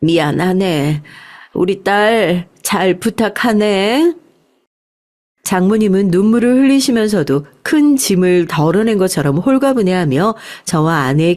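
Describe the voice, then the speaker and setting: A woman's voice: medium pitch, darkish tone. A woman reading a scripted first-person life story aloud as a narrator.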